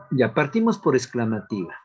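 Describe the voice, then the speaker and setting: A man at an ordinary middle pitch teaches a grammar lesson online. He talks haltingly, fills gaps with hesitations, and slowly repeats his example sentences aloud. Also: big pitch swings, soft background music. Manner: halting, with many fillers and restarts. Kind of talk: online class explanation.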